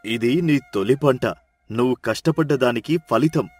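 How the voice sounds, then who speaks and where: A man's voice: medium pitch, normal speed, a little mellow, husky, faint music behind, close to an everyday voice. A man voicing a proud, encouraging older village farmer who gives advice in a storybook tale. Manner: encouraging, advising. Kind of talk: storybook character dialogue.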